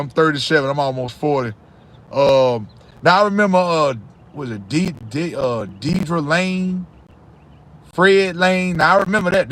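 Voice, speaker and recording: This man in his 30s, hailing from Charlotte, North Carolina, hosts a livestream where he casually chats, goes through viewer comments, and repeats himself frequently. His voice is fairly high-pitched and fairly bright in tone.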